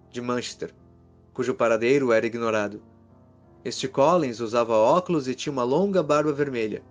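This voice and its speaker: Man narrating horror over music. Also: mid-range voice. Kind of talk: scripted horror story narration.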